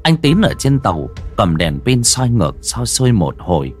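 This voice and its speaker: A man's voice: mid-range voice, moderate pace, soft background music. Dramatic storyteller man. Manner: dramatic, expressive. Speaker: narrator. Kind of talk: ghost story narration.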